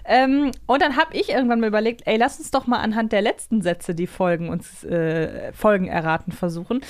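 A woman's voice: mid-range voice, fairly quick, no echo. A woman hosting a casual quiz podcast, chatting and joking with her co-host. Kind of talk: casual quiz banter between co-hosts.

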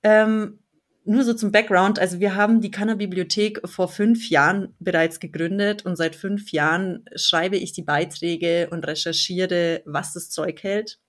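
A woman in her thirties from southern Germany talks as a guest in an interview. Her voice sits a little low, and she speaks with eager, earnest enthusiasm. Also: fairly even intonation, unhurried. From Allgäu, Bavaria, southern Germany. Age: 30s. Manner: enthusiastic, earnest, laughs easily. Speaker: interview guest, blog founder and editor. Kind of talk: conversational podcast interview.

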